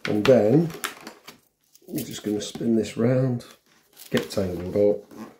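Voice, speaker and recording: Indoors in a room at home, a middle-aged vlogger demonstrates fitting a helmet intercom in a casual, unscripted tutorial chat. His voice is on the low side, mellow and halting, as he thinks aloud while his hands work. Background noise and small clicks can be heard around him.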